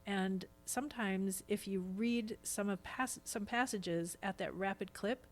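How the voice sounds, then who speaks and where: A woman's voice: medium pitch, measured pace. A woman talking conversationally as a guest on a podcast. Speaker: podcast guest, stage actor. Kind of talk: casual conversational podcast chat.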